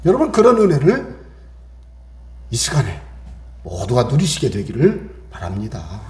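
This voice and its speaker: A man's voice: mid-range voice, wildly swooping pitch, a little slow, a little mellow, reverberant. A man preaching a Sunday sermon, acting out prayers and dialogue. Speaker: pastor.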